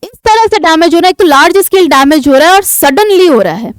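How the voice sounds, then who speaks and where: High-voiced Indian woman teaching vocabulary. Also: lively intonation, no room sound. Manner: asks questions then answers them herself; reads English definitions slowly and deliberately. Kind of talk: classroom lecture.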